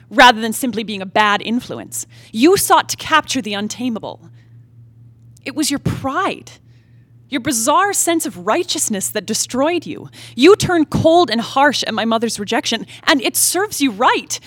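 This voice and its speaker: A woman performing a brooding young married woman in a stage play reading, with formal literary diction and dramatic pauses. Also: on the high side, fairly bright tone, no room sound. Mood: angry, impassioned. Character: brooding young married woman haunted by her family's past. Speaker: actor. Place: theatre stage, live reading.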